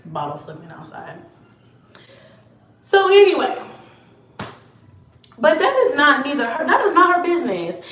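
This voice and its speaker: A young woman with a high voice delivers a blunt, profane vlog rant aimed straight at a rival. She sits some way back from the mic, so the room rings around her words. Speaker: YouTuber. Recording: echoey room, mic at a distance.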